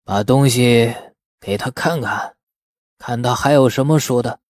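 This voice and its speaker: A male narrator plays a withered old man close to a hundred in an audiobook. He mutters hoarsely and drags each word out very slowly, suspicious and halting, in a dry, close recording. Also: mid-range voice, darkish tone, no echo, close to an everyday voice. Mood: curt. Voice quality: hoarse, aged. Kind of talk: audiobook character voice.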